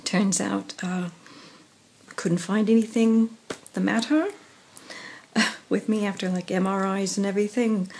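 A young woman, a professional singer with a weak, breathy voice from vocal cord palsy, talking haltingly into her phone camera with many pauses and fillers. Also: mid-range voice, a little mellow, a little hiss or hum, low-quality recording. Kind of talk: casual personal vlog. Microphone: phone camera at arm's length.

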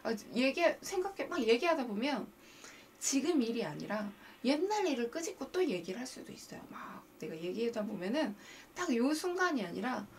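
A mind-training coach hosting a live stream addresses viewers directly with animated emphasis, her gravelly-edged voice swinging widely in pitch at normal speed. She sits some distance from the mic, so she sounds far off, with faint noise behind her.

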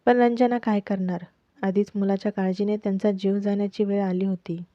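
A woman reads a family drama story aloud at a steady pace, changing her delivery for each character. The sound is dry and close, with a dull, lo-fi tone. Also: medium pitch, brisk, no echo. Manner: steady expressive reading, voicing each character herself. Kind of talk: reading a self-written serial story.

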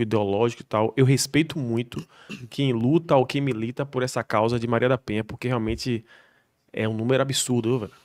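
Fast-talking policeman telling stories. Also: mid-range voice. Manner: slangy, animated anecdote telling. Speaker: military police soldier guest. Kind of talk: podcast storytelling.

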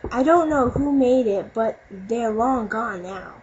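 A high, earnest young fox boy from a cartoon, acted out by a woman, plucky and clever, who takes his lines slowly. The recording is muffled and homemade, with faint noise. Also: expressive, a little mellow. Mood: explaining. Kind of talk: amateur cartoon character demo reading.

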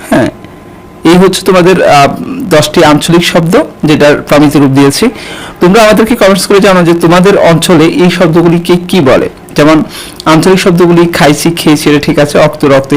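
A man teaching an exam-prep lesson and speaking straight to his students, pausing often with hesitations. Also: fairly high pitch, poor audio. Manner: addresses students directly, frequent hesitations. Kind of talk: online exam-prep tutorial.

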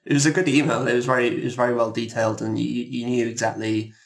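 Male composer guest from the UK, hesitant casual chat, even intonation, gravelly fry. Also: mid-range voice. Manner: hesitant, halting, often repeats words.

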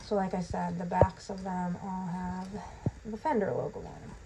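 In a bathroom with noise in the background, a woman vlogger casually narrates a home unboxing, rambling and chatty with plenty of ums. Her fairly low, creaky voice barely moves in pitch, keeps a moderate pace, and is still recovering from being lost.

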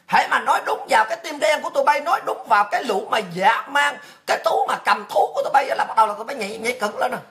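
A woman's voice: a little high, animated, racing, hardly any pauses, a bit bright. A woman from Vietnam hosting a livestream show, delivering an abusive, mocking tirade full of rhetorical questions. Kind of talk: livestream rant.

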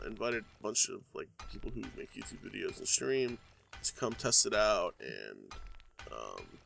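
A man's voice: on the low side, gravelly, a bit bright, a little hiss or hum. Congested young man rambling over gameplay. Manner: rambling, many ums and uhs. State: congested from a cold. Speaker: gaming YouTuber. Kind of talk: casual let's-play commentary.

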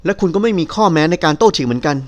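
A calm young man speaks softly and evenly, as a male narrator plays him, with an easy, amused edge. He stays unhurried and gentle in a romance storybook. His voice sits close to an ordinary man's talk. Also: on the high side. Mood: calm, teasing. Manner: soft, even and unhurried. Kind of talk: audiobook character voice.

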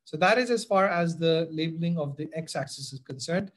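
At a moderate pace, a man with a slightly high, somewhat bright voice and a South Asian accent teaches biology over a screen recording. He talks directly to his pupils, alternating between English and Hindi-Urdu.

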